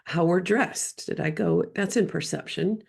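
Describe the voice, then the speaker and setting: Woman podcaster, hoarse and gravelly, speaks slowly, wanders off-thread casually. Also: fairly low pitch, a little mellow. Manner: rambling, loses her train of thought. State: scratchy voice. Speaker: podcast host and business coach. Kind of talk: casual solo podcast talk.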